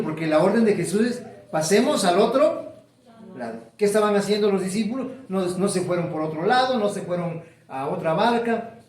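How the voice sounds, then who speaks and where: A man's voice: on the high side, a little mellow, echoey room. A man preaching a sermon, stretching key words and building emphasis. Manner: preaching with rising emphasis and drawn-out stresses. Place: church sanctuary.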